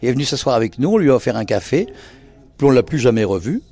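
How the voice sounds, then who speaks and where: A man's voice: medium pitch, very animated, quick pace, mellow. An older man who owns a bar, telling anecdotes in casual conversation. He acts out the dialogue he quotes and hesitates often. He speaks indoors in his bar lounge. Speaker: bar owner.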